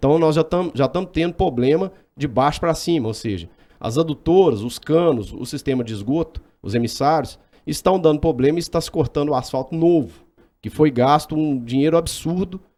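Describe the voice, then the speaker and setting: Here a man speaks at a moderate pace with a fairly high pitch. His tone is dark and mellow, with ordinary pitch variation. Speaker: mayoral candidate. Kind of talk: political interview. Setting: TV studio. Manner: halting, many repetitions.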